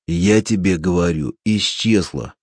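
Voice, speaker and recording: A man voicing a calm, wry former male seminarian in an audiobook, speaking in a mocking, low-key way. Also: measured pace, slightly rough, no room sound, heavily acted.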